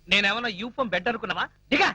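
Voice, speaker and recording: Panicky comic hero. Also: male voice, high-pitched, lively intonation, pushed and bright, dry recording, heavily acted. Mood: nervous. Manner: whiny comic pleading, quick quips. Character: frantic cowardly comic hero, panicky and wisecracking. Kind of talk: film comedy dialogue. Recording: film soundtrack with clear music.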